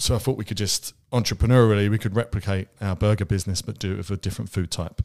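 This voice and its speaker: A man with a British accent, fairly low in pitch, talking at a very fast pace with hardly any pauses and fairly even intonation, in a dry, close sound with no echo. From Essex, England. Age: 40s. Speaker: restaurant owner, former police officer. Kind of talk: casual interview chat.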